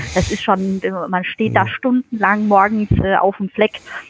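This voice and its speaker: A woman with a normal speaking voice, fairly even intonation and a fairly slow pace. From Germany, Kraichgau (Baden-Württemberg). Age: 30s. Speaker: sustainability consultant and business owner. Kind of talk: podcast interview.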